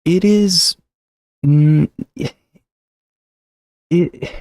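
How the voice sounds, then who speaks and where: A man's voice: fairly high pitch, very slow, darkish tone, no room sound. A man in his thirties hosting a casual livestream, rambling and self-deprecating, full of fillers and restarts, talking into a desk mic at home. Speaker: livestream host. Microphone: desk mic with shock mount.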